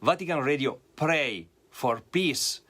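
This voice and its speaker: A solemn, deliberate man speaking in an interview as head of a religious radio service. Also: on the high side, expressive, bright, forceful tone.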